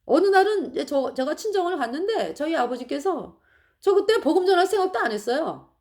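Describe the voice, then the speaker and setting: A woman's voice: sits high, very animated, a little fast, darkish tone. Emotional middle-aged woman giving testimony. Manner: emotional storytelling with laughter. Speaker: church member giving testimony. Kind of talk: personal testimony.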